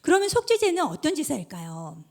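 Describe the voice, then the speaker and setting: Woman preacher, kids' sermon, high voice, very animated delivery. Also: a little fast, creaky. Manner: animated storytelling, addresses children directly. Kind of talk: children's sermon.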